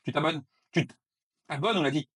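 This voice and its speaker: A man's voice: a little high, fairly bright tone, breathy edge. A man co-hosting a casual board game review chat, joking and teasing his co-host. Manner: joking, teasing, fast-talking.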